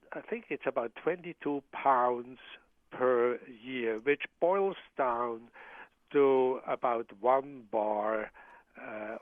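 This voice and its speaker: Interview guest: a man from Switzerland, measured and halting, on a tinny dry phone line. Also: mid-range voice, no room sound. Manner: measured, hesitant with frequent uh fillers and restarts. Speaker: guest, professor of medicine.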